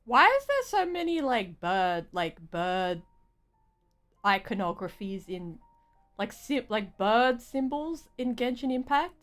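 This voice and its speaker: A young woman giving casual live game commentary, rambling and halting, with slangy phrasing. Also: on the high side, big pitch swings, a bit bright, soft background music. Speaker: game streamer.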